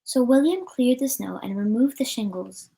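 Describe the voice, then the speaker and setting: A woman's voice: fairly high pitch, expressive, normal speed, gravelly, mellow. A woman reading a children's story aloud as a storyteller, with an occasional stumble over the words.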